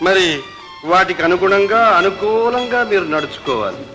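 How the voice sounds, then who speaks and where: An indulgent young master in an old film drama. His voice is high and keen-edged, with a drawling, theatrical lordliness. Faint music sits under the soundtrack. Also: sing-song, normal speed, sharp tone, heavily acted. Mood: lordly, teasing. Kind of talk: Telugu film drama acting.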